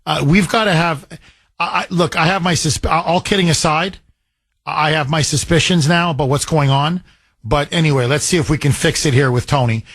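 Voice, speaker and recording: A man's voice: a little high, normal speed, fairly bright tone, no echo. A man hosting a talk radio show, taking callers and delivering emphatic commentary with repeated words.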